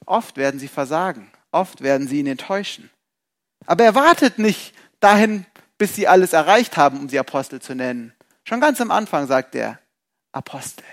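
Guy preaching w a pretty high voice, lively, lots of rhetorical questions. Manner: lively, rhetorical questions, acts out quoted thoughts. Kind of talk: sermon.

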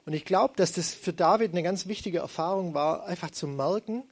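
Conversational male preacher, higher voice. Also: moderate pace. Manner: conversational storytelling, retells scripture in everyday speech. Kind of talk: sermon.

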